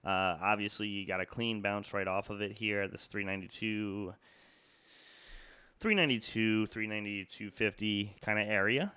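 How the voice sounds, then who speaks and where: A man's voice: lowish voice, moderate pace, bright, forceful tone, smooth, dry recording. Congested young man talking stock charts. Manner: casual, rambling, many fillers and restarts. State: congested, nasal from a cold. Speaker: market analysis YouTuber. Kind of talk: casual trading chart talk.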